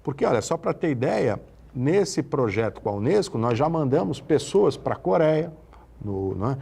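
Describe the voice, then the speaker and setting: A man from Santos speaks as a guest on a television talk show. His voice has a gravelly, slightly husky edge, and he talks passionately, stacking up emphatic comparisons. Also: mid-range voice, very animated, moderate pace, dark tone. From Santos, Brazil. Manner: passionate, builds to emphatic lists. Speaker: city official guest.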